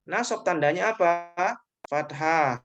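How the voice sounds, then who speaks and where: A man's voice: on the high side, takes it slowly, fairly bright tone, dull audio. A man teaching grammar in an online class, explaining patiently and repeating each point with short checking tags.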